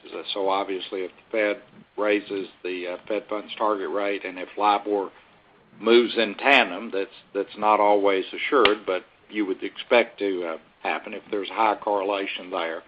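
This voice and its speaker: Deep male voice, corporate executive, measured unscripted answers, hesitant phrasing, muffled conference call audio. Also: steady tone, a little hiss or hum. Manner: halting, measured, hedging answers. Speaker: company executive answering analyst questions. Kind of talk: unscripted earnings call commentary.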